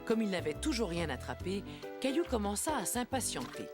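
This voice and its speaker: A woman playing the gentle storyteller of a children's cartoon, reading scripted narration. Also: medium pitch, sing-song, brisk, over loud music, lightly acted.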